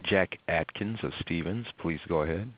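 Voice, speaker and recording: A man's voice: low voice, moderate pace. A man making formal scripted announcements as a conference call operator. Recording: dry, dull call audio.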